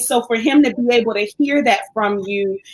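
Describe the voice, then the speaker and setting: A woman speaks at a moderate pace with a fairly high pitch. Her intonation is lively. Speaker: podcast co-host. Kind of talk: casual chat. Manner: loud when passionate.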